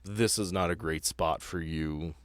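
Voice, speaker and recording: A man's voice: low voice, steady tone, a little slow, clear, resonant tone, no room sound. A man acting as game master, improvising scene narration and bantering with his players.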